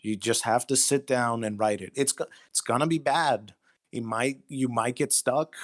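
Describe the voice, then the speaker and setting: A man's voice: medium pitch, normal speed. A man speaking as an interviewed writer in a casual, earnest, plain-spoken and matter-of-fact way.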